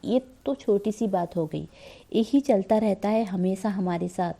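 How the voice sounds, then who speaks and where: A woman's voice: mid-range voice, measured pace, gravelly, dark tone. A woman hosting her own spiritual channel, giving a casual talk to the camera and asking rhetorical questions. She is a little unwell. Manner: conversational, asks rhetorical questions. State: slightly unwell, coughing.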